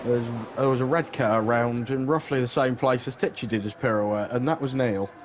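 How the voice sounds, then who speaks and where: A man's voice: mid-range voice, fairly quick. Wry male co-commentator over hiss. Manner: dry, wry humour. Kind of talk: casual sim racing commentary.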